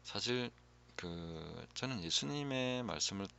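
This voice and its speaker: A man, a pastor, giving a calm, reflective Bible teaching talk that often drops to a hushed voice. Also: fairly low pitch, takes it slowly, vocal fry, slight background noise.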